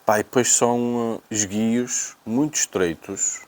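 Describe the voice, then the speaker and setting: A man's voice: medium pitch, unhurried, a little mellow. A man with a European Portuguese accent presenting an unboxing in casual, unscripted talk, hesitating and repeating himself as he thinks aloud. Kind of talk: casual unscripted product review.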